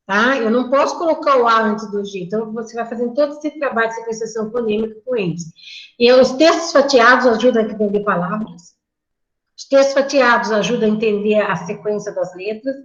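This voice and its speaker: A woman's voice: on the high side, a little fast. A woman teacher explaining classroom methods to other teachers, acting out dialogue with children. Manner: lively, acts out classroom dialogue. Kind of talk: teacher training talk. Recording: echoey lo-fi room.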